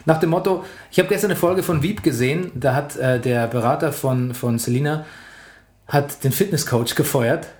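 A man co-hosting a football podcast in casual chat, animated and fond of acting out anecdotes. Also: a little high, normal speed. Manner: animated, quotes and acts out anecdotes. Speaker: podcast co-host. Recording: echoey room.

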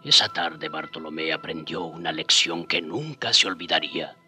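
A man's voice: a bass voice, moderate pace, bright, forceful tone, faint music behind, full character voice. An actor playing an indigenous man from the Antilles, narrating his memories earnestly in a radio drama. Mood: moved, reflective. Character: indigenous Antillean man, loyal companion recalling past suffering. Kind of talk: dramatised first-person narration.

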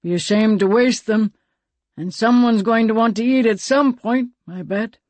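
A woman's voice: a little high, normal speed, darkish tone, dry recording, pitched above the performer's own voice, lightly acted. An easygoing frontier man speaking plainly and without hurry, read by a woman narrator. The voice is close and dry, with no room sound.

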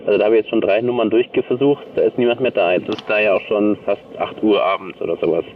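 Ein Mann erklärt sich am Telefon in lockerem Gesprächston, zögernd und um Ausgleich bemüht. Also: male voice, fairly low pitch, fairly even intonation, quick pace, slight background noise. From Germany. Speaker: journalist. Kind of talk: informal phone conversation. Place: hotel room. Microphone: telephone, recorded on tape. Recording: dull taped phone call, music behind.

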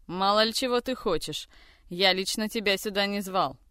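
A reader voicing a furious man who shouts harsh accusations in a tirade for an audiobook. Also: medium pitch, normal speed, clean tone, no echo, studio quality, natural voice. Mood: enraged. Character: furious man, a general's grandson, lashing out.

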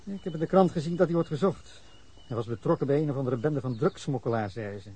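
Wary male journalist, acted by a man, quick, husky, dark voice, faint birds outside. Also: mid-range voice, natural voice. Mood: guarded. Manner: guarded, dismissive.

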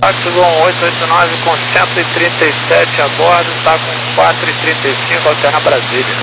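A man's voice: on the high side, level tone, fairly quick, gravelly. A man speaking as a pilot over the radio in clipped procedural phrases. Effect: aviation radio. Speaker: airline pilot. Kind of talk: air traffic radio communication. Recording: noisy, staticky aircraft radio with hum.

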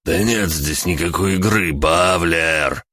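Gruff old male hermit, voiced by a man, grumbling, scolding, very deep voice. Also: slow pace, pushed and bright, no echo, studio quality, heavily acted. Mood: exasperated.

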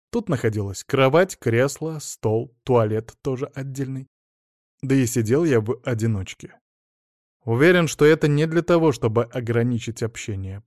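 Male narrator for a first-person novel, plain and even, mid-pitched, dry close recording. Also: no room sound. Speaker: audiobook narrator.

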